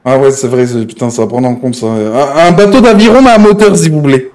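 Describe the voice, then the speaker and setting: A man's voice: mid-range voice, fairly quick, crowd noise. A man streaming online game roleplay in character, brash and slangy, swearing often and repeating a verbal tic. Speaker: streamer playing a GTA roleplay gang member. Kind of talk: in-character gaming roleplay chat.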